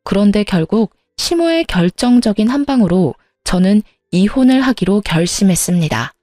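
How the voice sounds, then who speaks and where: A woman's voice: medium pitch, lively intonation, moderate pace, mellow, no room sound, studio quality, faint music behind. A young woman telling her own marriage story in scripted narration, firm and exasperated.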